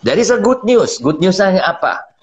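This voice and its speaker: In a muffled phone-mic recording, a middle-aged man with a high voice streams a laid-back motivational business talk at a moderate pace. He tells stories with energy, performs the quotes he cites, and laughs frequently.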